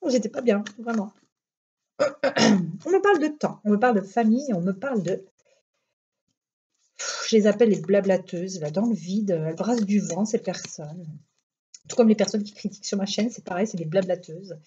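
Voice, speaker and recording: A woman's voice: mid-range voice, moderate pace, pauses often, warm tone. A woman with a Belgian French accent doing a casual card reading, chatty and rambling with many fillers, just recovering from illness. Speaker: tarot card reader. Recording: dull lo-fi home recording.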